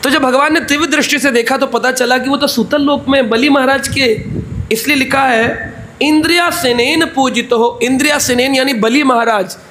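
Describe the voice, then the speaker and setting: A man's voice: extremely high pitch, fairly even intonation, normal speed, sharp tone, slight background noise. A man preaching a scripture discourse in a temple, telling the story and acting out its dialogue, and posing questions he answers himself. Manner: asks the audience questions and answers them. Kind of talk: Bhagavatam discourse sermon. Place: temple hall.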